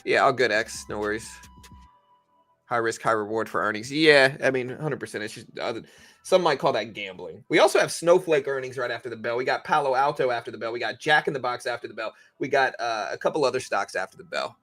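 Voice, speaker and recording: Answering questions from his chat, a man hosting a livestream talks casually through the markets in a conversational, explanatory way. His voice is bright and forceful at an average male pitch, a little fast, and the dry recording carries faint background music.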